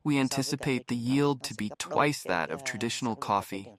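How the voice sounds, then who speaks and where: A man's voice: mid-range voice, lively intonation, normal speed, a bit bright. A man speaking as a company representative in a news interview, plain and matter-of-fact. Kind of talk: interview soundbite.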